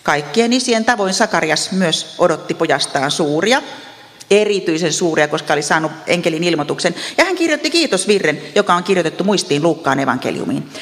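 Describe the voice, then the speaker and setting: A woman with an Ostrobothnian accent, telling Bible stories in a devotional talk with chatty asides and gentle humor. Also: lowish voice, very animated, long reverb tail. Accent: Ostrobothnian Finnish. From Ostrobothnia, Finland. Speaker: Bible teacher.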